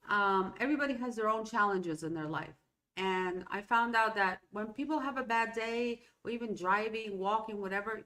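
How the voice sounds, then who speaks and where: A woman's voice: fairly high pitch, fairly bright tone. A middle-aged woman whose first language is Spanish, talking in a rambling, casual way as a solo podcast host, often checking in with "okay?" and "right?". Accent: Hispanic American English. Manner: rambling, conversational, self-interrupting with "okay?" and "right?". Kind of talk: solo motivational talk.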